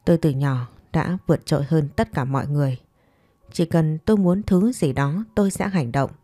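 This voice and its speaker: A proud, composed man speaks in a measured, mellow tone, played by a woman storyteller. It is fireside storytelling of a romance, coolly matter-of-fact, with quiet music underneath. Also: deep voice, no echo. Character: composed, proud man coolly rejecting his former girlfriend.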